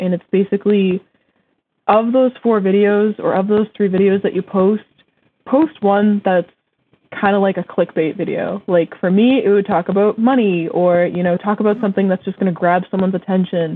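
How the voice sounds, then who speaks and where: A woman's medium-pitched voice, an unremarkable speaking voice with an American accent, at a moderate pace, with very even loudness and fairly even intonation. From Massachusetts. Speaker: college student and freelancer. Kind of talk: interview.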